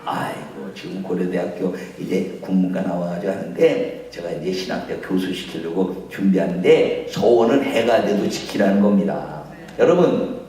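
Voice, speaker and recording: A male pastor preaching a sermon and telling stories, jumping between loud high acted voices and low quiet asides. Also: moderate pace. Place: church sanctuary. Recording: echoey church hall, mic at a distance.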